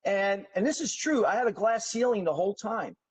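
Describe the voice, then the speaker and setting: A middle-aged man from New York City talks at length as a podcast guest. His voice sits slightly high, and he rambles through stories with plenty of fillers and restarts. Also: expressive, brisk, husky. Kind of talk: casual interview storytelling.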